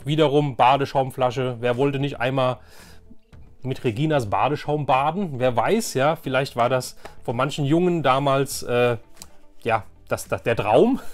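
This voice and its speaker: A man hosting a casual show-and-tell collecting vlog, enthusiastic and rambling, often repeating himself. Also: mid-range voice. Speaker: host of a toy collecting channel.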